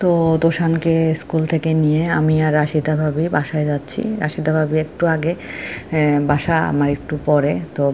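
Over light background noise, a woman speaks at a very deep, low pitch with fairly even intonation. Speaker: mother vlogger. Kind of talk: casual vlog chat. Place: street. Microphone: phone near.

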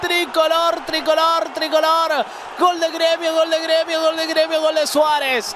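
Crowd noise sits in the background as a man speaks at a fairly slow pace. His pitch is extremely high and his intonation flat and monotone. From Argentina. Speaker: football commentator. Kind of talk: live football play-by-play.

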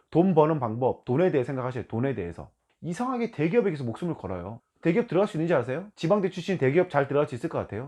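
A man with a dark, mellow tone and vocal fry speaks at a fairly high pitch. He goes at a very fast pace with very wide pitch swings. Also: quiet background. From Geoje, South Gyeongsang, Korea. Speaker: YouTuber, real estate auction investor. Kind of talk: motivational vlog talk. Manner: blunt, emphatic.

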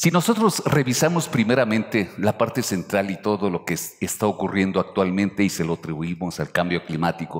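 A man speaks with an Oaxacan accent at a fairly low pitch. His pace is fairly quick. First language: Zapotec (speaking Spanish). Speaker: research scientist; conference presenter. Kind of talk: conference lecture. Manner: halting, with repeated words. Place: hall. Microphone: headset.

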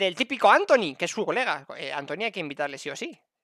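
In a dry, close sound with no echo, a man talks very fast in a high pitch, his raised, projected voice bright and sharp with an animated tone. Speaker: gaming youtuber. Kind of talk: let's play commentary.

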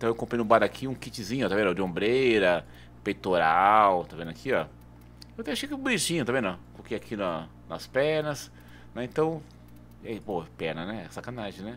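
Over light background noise, a man with a fairly low pitch speaks at a moderate pace with lively intonation and long, frequent pauses. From Brazil. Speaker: gaming YouTuber. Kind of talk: casual gameplay commentary. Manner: animated.

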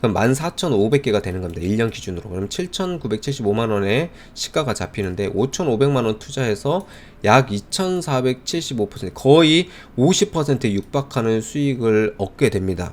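This man's medium-pitched voice has lively intonation. He speaks at a very slow pace. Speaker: crypto investment YouTuber promoting a mining-share scheme. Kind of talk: explanatory sales pitch to camera.

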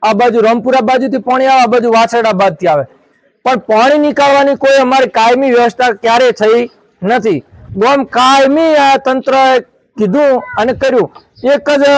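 A man's extremely high voice comes through with very even loudness, ordinary pitch variation and a dry, close sound with no echo. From Bhatasana village, Banaskantha, north Gujarat. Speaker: villager. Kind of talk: on-site interview.

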